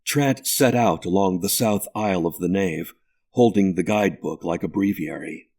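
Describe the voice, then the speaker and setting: A man narrating a ghost story audiobook in a measured, deliberate way. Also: deep voice, darkish tone, husky.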